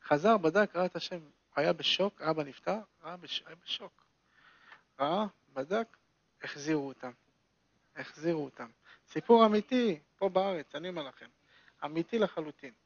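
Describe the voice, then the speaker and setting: A man's voice: on the high side, expressive, pauses often, dry recording, highs cut off. A man teaching a religious lesson to a small group, telling a story with emphatic repetition.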